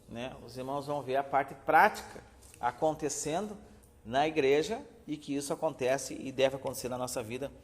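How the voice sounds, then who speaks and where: Earnest pastor teaching a Bible class. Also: male voice, on the high side. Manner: earnest, addresses listeners as brothers, many filler "né". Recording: reverberant hall.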